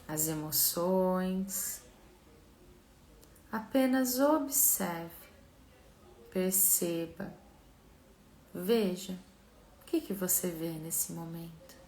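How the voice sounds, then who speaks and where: A woman's voice: fairly low pitch, a little hiss or hum. Soothing Brazilian woman guiding relaxation, echoey room. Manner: slow, soothing, gentle, with long pauses. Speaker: mentor and therapist leading a live session. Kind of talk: guided relaxation and visualization.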